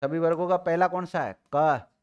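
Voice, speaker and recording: A man teaching Hindi grammar to a live class, drilling students and repeating letters slowly, with a Rajasthani Hindi accent. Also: on the high side, steady tone, darkish tone, clear, resonant tone, lo-fi sound.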